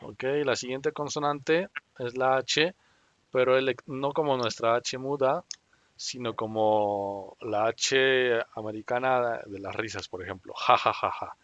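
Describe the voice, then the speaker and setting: A male teacher leads an online beginner class at a middle pitch. He speaks patiently, spelling out sounds one by one and asking students to repeat after him. His voice comes through a video-call mic. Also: a little slow, a bit bright, dull audio. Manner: patient, drills pronunciation and has students repeat. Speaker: Korean language teacher.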